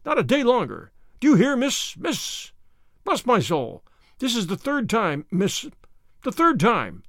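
A man's voice: extremely high pitch, wildly swooping pitch, unhurried, fairly bright tone, no room sound, clean studio sound, voice pushed up, heavily acted. Guy putting on a blustering angry farmer, spluttering, voice shooting way up and swinging all over. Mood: furious. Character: irate stout bald middle-aged male farmer.

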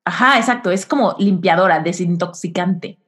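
A woman hosting a podcast interview, affirming her guest and asking lively questions. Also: fairly low pitch, moderate pace. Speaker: podcast host. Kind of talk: supportive interview.

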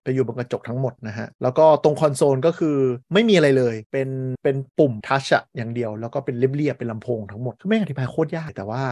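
A man's voice: medium pitch, mellow, no echo, studio quality. A man hosting a casual tech chat, blunt and slangy, explaining products at length. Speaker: tech show host.

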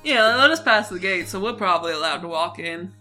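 A woman's voice: on the low side, lively intonation, fairly quick, pushed and bright, faint music behind. A woman playing a tabletop game, chatting in a playful way.

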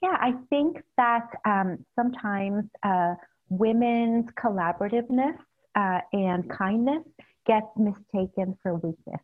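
Woman guest on a phone line, middle pitch, earnest and chatty, lots of ums and soft laughs. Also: measured pace. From El Salvador. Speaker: newly elected city supervisor. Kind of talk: casual interview answers.

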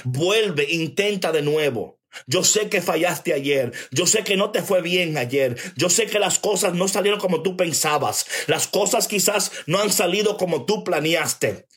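A man delivers a sermon in a high, slightly husky voice. He drives points home by repeating lines and speaks straight to his listeners, often pausing to ask if they follow. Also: expressive, fairly bright tone. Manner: emphatic, repeats phrases for stress; addresses listeners directly, checks in with "ok?". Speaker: preacher.

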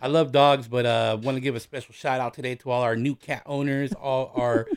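A male co-host on a radio show chats and jokes in a laid-back, slangy way. His voice sits at an ordinary middle pitch. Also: steady tone, fairly quick, smooth. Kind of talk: casual radio chat.

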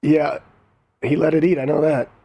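A man's voice: fairly high pitch, level tone, moderate pace, creaky, a crowd in the background. A man talking casually as a sports show analyst, sounding like a conversational golf commentator.

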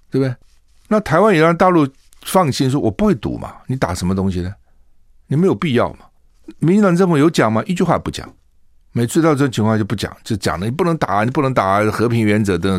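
Older Taiwanese man, animated talk host. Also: medium pitch, dry recording, clean studio sound. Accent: Taiwanese Mandarin. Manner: animated, rhetorical questions, repeats phrases. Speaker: radio talk show host. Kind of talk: political commentary monologue.

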